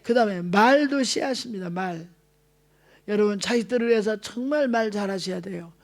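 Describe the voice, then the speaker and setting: A woman's voice: medium pitch, normal speed. A woman in her sixties from South Korea, preaching a sermon as an evangelist, earnest and exhorting. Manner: earnest, exhorting, acts out quoted family talk.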